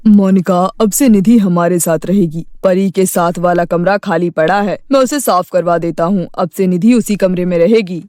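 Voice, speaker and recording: A man's voice: sits high, normal speed, hardly any pauses, a little mellow, no echo, studio quality, lightly acted. A man voicing a kind, grateful family man in a children's cartoon story, earnest and reassuring. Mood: firm. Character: kind, grateful husband and father, firm.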